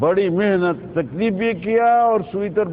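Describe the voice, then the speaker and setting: This man's voice sits high in pitch. It varies in an ordinary way. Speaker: Islamic scholar and Quran reciter. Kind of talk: religious lecture.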